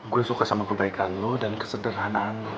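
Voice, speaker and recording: A man's voice: fairly low pitch, flat delivery, a little fast, lo-fi sound, noisy background, close to an everyday voice. A man playing an earnest young man who pleads sincerely with the woman he loves, with a music score under the dialogue. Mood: pleading. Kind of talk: TV film dialogue.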